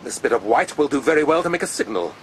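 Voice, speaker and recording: A haughty aristocratic army officer in a radio play. He is sly and spiteful, drawling with pompous, cool sardonic polish over a noticeable low rumble of background noise. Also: big pitch swings, quick pace. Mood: gloating. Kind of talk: radio drama acting.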